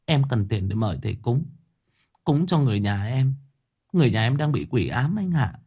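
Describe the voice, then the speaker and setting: A man's voice: mid-range voice, very animated, normal speed, mellow, slightly rough. A man voicing a tearful young woman who pleads with stammering, sobbing words. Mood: sad.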